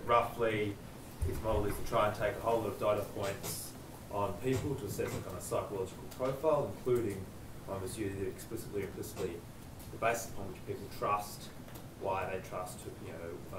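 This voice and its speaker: A man posing a halting, academic question as an audience member, picked up from a distance in a noisy, echoey room. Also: lowish voice.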